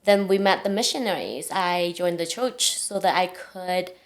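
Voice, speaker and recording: A woman's voice: lowish voice, moderate pace. A woman from Cambodia with a Southeast Asian accent, telling her story casually as a podcast guest in non-native English with simplified grammar. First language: Vietnamese or Khmer.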